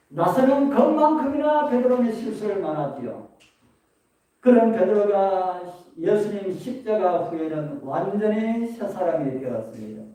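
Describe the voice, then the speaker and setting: A man's voice: high-pitched, mellow. A middle-aged male pastor preaching a sermon, asking the congregation rhetorical questions and swinging his emphasis up and down. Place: church sanctuary. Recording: echoey hall, distant mic.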